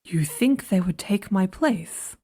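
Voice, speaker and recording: A woman's voice: medium pitch, animated, slow pace, dark tone, husky. A woman playing a haughty, spiteful queen in a fantasy audio drama, with an imperious, dramatic delivery. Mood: guarded, grave.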